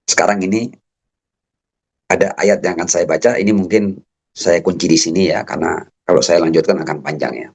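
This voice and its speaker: A man giving a public religious lecture. He quotes Arabic verses slowly, then explains them, swinging between high emphatic peaks and low, slow explanations. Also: steady tone, gravelly, slightly rough. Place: lecture hall.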